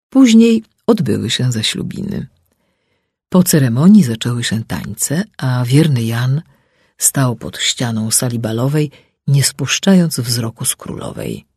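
A man narrating a fairy tale in an expressive, rising and falling way, with a husky voice. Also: medium pitch, no echo, studio quality. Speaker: storyteller.

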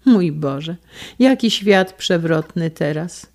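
A sharp-tongued elderly lady of a storybook tale, all scandal and shrill piety, as a woman reader puts her on. She spits out her judgments in a high, loud voice. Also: animated, takes it slowly. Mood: scandalized. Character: gossipy old lady, sharp-tongued and pious.

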